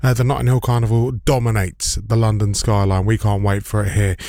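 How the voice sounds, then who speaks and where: A man's voice: on the low side, level tone, brisk, warm tone, no echo. A man presenting a breakfast radio show live, upbeat and chatty, speaking into a studio microphone.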